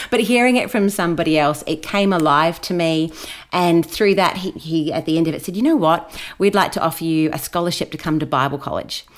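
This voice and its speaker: A woman from New Zealand, talking as a guest in a casual interview and laughing often. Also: sits low. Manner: chatty and laughing.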